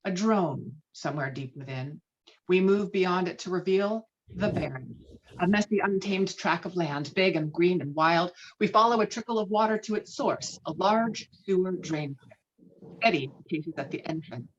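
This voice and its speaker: A woman's voice: fairly low pitch, normal speed. Dull-sounding woman narrating a script. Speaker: narrator reading stage directions. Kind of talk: scripted narration at a virtual table read. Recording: dull, lo-fi call audio.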